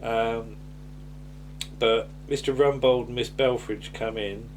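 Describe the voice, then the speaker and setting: A man's voice: mid-range voice, steady tone, slow, a little hiss or hum, poor audio. A man chatting casually as he reviews an episode, hesitant and rambling, often ending on tag questions. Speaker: podcast host.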